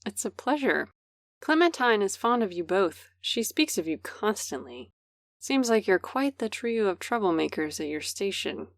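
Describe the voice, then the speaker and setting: A woman's voice: medium pitch, very animated, normal speed, no room sound, studio quality. A woman playing a poised, courteous, faintly condescending character with formal, polished speech in an audio drama. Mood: polite, cool. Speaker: voice actor.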